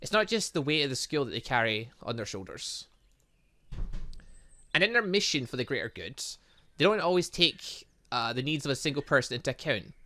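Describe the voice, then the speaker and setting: A man's voice: medium pitch, sing-song, fairly quick, pushed and bright. A man reading game dialogue aloud in a let's play, adding his own commentary and often stumbling over words and correcting himself. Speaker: gaming YouTuber reading a visual novel aloud.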